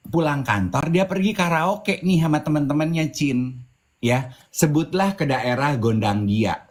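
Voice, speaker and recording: In a relaxed conversation, a male co-host with a medium pitch recounts a story animatedly, slipping in English phrases. He imitates the voices of the characters as he narrates.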